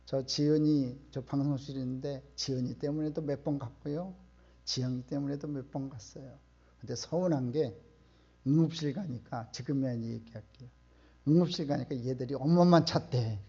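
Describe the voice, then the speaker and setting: A middle-aged man preaching a sermon in a church, emphatic and questioning the congregation, often swelling to loud outbursts. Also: mid-range voice, moderate pace, vocal fry, husky, lo-fi sound. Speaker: pastor. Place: church sanctuary.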